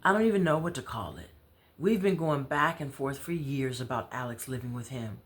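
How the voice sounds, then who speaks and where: An American woman voicing a troubled, proud mother in a story, confiding in a halting, conversational way. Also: a bass voice. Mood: weary.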